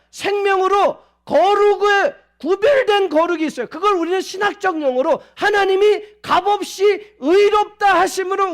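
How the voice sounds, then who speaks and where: A male pastor preaching a sermon at a church service, animated and asking the congregation many questions. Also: extremely high pitch.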